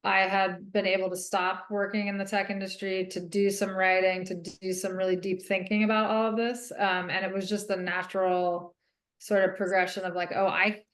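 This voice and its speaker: A woman, a guest author, answering an interview question in an earnest, halting way with frequent ums. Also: mid-range voice, flat delivery, reverberant.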